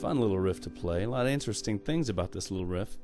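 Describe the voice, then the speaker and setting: A man's voice: lowish voice, lively intonation, quick pace. A man teaching a piano lesson in a casual, playful way, joking and exclaiming between chord demonstrations. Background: piano playing.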